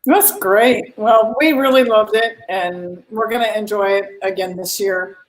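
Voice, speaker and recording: A woman's voice: medium pitch, unhurried, low-quality recording. A woman hosting a live online event, chatting casually and greeting viewers.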